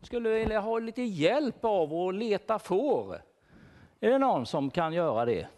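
A worried shepherd, as a man plays him in a church, asks the children one question after another and calls out names. His voice sits high for a man and swoops up and down with plenty of animation. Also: big pitch swings, darkish tone. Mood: searching, playful. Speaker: children's talk leader. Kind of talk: playful role-play for children.

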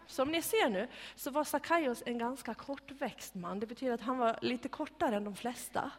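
A woman with a husky voice tells a Bible story to children in a church room, coaxing them to act it out and sometimes dropping to a whisper. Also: a little high. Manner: animated, coaxing, directs children, drops to whispers. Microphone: microphone on a stand. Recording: long hall reverb.

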